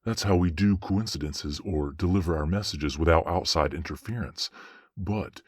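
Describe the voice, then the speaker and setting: A man playing a stern but fair archangel judge in a fantasy audio drama, with formal, measured authority. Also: sits low, darkish tone, breathy edge, dry recording. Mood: measured, probing. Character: stern, fair male archangel presiding over a trial.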